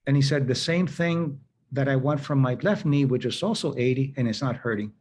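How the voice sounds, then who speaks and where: A man's voice: mid-range voice, a little fast, darkish tone, a little hiss or hum. A man hosting a conversational interview, telling anecdotes and acting out quoted dialogue. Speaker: host.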